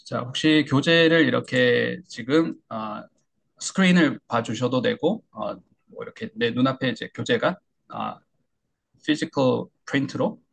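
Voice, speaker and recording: Husky, gravelly man teaching pronunciation. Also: unhurried, a bit bright. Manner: explains step by step, models English words with exaggerated pitch; frequent hesitation fillers. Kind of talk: online lecture.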